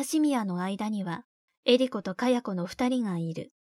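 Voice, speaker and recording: A plain, everyday voice speaks at a fairly slow pace. The intonation is lively. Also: woman. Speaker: audiobook narrator. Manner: slow, soft-spoken and measured, gentle and intimate, with a hushed wistful tone; smooth, low-key delivery with little variation, pausing between sentences.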